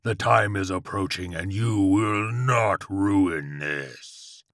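A man voicing a menacing, possessive demonic Chihuahua with a deep growl and slow, commanding delivery, in a narrated story. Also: fairly bright tone, no room sound, clean studio sound, heavily acted. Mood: ominous.

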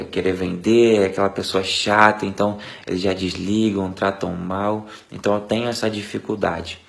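A man's voice: on the low side, vocal fry. Hesitant man from Rio, thirties. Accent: Brazilian, Rio de Janeiro. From Rio de Janeiro state, Brazil. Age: 30s. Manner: hesitant, many fillers, earnest. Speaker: course student giving a testimonial.

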